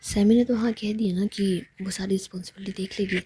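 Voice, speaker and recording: A woman voicing a calm, practical middle-aged mother who speaks in a soothing, matter-of-fact way. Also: mid-range voice, quick pace, a little hiss or hum, lightly acted.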